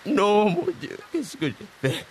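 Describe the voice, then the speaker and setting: An actor playing a hurried, money-driven minibus driver and father in a radio drama, impatient and barking orders. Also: high voice, very animated, a little hiss or hum, exaggerated voice. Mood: distraught.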